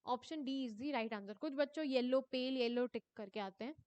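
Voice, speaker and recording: A young woman teacher going through an exam paper, reading each question slowly and then explaining quickly in Hindi mixed with English, calling her students children. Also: high voice, darkish tone, clear, resonant tone, no room sound. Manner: addresses students as children, ends answers with a falling tone.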